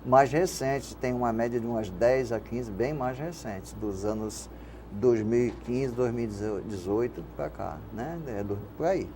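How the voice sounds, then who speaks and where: A man's voice: medium pitch, measured pace. An older man from Rio de Janeiro with a Carioca accent, a guest in an interview, talking reflectively and rambling, often tagging his sentences with a questioning word. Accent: Carioca Brazilian Portuguese. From Rio de Janeiro, Brazil. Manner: reflective, rambling with frequent "né?" tags. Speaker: guest, radio station manager and poet. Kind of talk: casual interview conversation. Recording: faint background noise.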